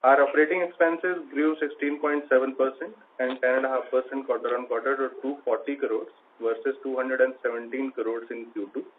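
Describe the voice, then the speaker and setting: A man's voice: medium pitch, flat delivery, a little fast, hardly any pauses. Indian man on a noisy phone line. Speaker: chief financial officer. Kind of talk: scripted financial report.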